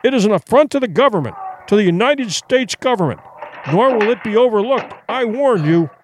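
A man's voice: high voice, animated, a little fast, heavy background noise, voice pushed up. A man voicing a flustered, pompous male consul who splutters and pleads. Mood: outraged.

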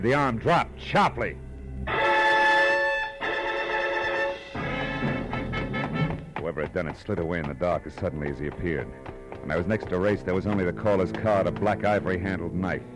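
An actor playing a tough, brusque American private detective in an old radio drama, clipped and wry. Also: male voice, low voice, natural voice, poor audio. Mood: tense narration. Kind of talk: 1940s American radio drama, narration and dialogue.

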